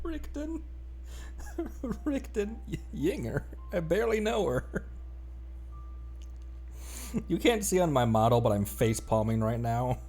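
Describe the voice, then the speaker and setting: A man's voice: on the high side, slow pace, long pauses, husky. A man with an American accent chatting casually and playfully as he livestreams a video game. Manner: playful, joking, expressive. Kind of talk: casual chat while streaming a game.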